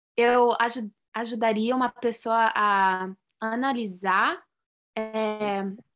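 A woman with an English accent speaks at a very slow pace in a fairly high pitch, her intonation fairly even, on a very clean recording with a silent background. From Canada. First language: English (speaking Portuguese). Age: 20s. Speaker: guest. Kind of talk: casual chat.

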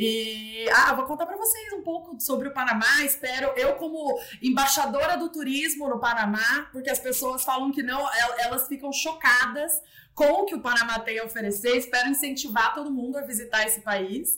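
A woman's raised, projected voice, high in pitch, with ordinary pitch variation at a moderate pace. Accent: São Paulo. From São Paulo, Brazil. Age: 30s. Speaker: expat worker living in Panama. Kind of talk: casual interview conversation.

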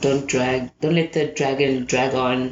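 Over noticeable background noise, a woman talks at a fairly slow pace in a very deep, low voice with monotone, flat intonation. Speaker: podcast co-host. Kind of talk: casual chat.

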